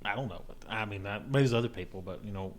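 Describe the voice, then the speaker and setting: A man's voice: fairly low pitch, fast, slight background noise. A man chatting casually with friends in a self-deprecating way. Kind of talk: casual chat among friends.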